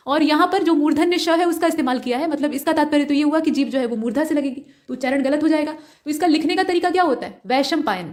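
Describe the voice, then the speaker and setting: A woman teaching an exam-prep lesson who explains step by step, asking questions and answering them herself, and reads example sentences slowly and deliberately. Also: sits high.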